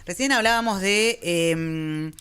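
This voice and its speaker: An Argentine woman hosting a radio show in an informal, conversational way with halting phrasing. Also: fairly low pitch, a bit bright, clear, resonant tone. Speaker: radio host. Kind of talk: casual interview chat.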